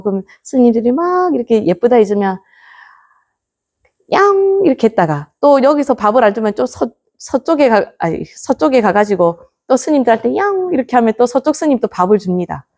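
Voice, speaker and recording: A Buddhist nun giving a lecture to lay students, telling stories with rhetorical questions and dropping to soft near-whispers at the ends of phrases. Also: female voice, fairly high pitch, animated, fairly quick. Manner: storytelling with acted quotes and rhetorical questions.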